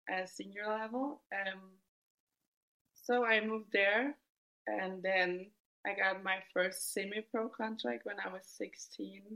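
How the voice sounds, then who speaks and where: Young woman with a flat, even voice. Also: mid-range voice, slow. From Denmark. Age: 20s. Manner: relaxed, thoughtful storytelling with hedges. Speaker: guest footballer. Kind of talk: podcast interview.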